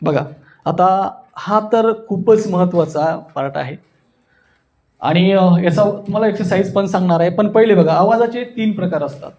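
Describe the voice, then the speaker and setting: A man's voice: high-pitched, moderate pace, a little mellow. A man with a Marathi accent teaching an interactive public speaking workshop, demonstrating and often checking understanding with questions.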